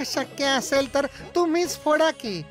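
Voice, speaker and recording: A woman's voice: high voice, animated, unhurried. A woman voicing a penny-pinching, foolish cartoon husband who wheedles and haggles in a whiny, exaggerated way. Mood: eager, haggling. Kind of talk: animated children's story acting. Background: clear background music.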